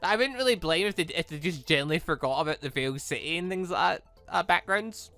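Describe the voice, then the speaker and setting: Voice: mid-range voice, animated, fast, a bit bright, faint music behind. A gaming YouTuber giving casual, rambling and exclamatory commentary on a game. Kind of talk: casual game commentary with read-aloud dialogue.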